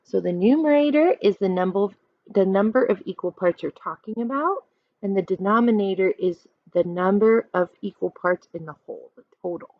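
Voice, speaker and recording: A woman in her thirties reading a children's book aloud like a teacher, expressive and instructive, pausing to explain. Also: medium pitch, no room sound. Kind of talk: read-aloud storytelling with explanations. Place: small furnished room indoors at home. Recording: dull lo-fi webcam sound.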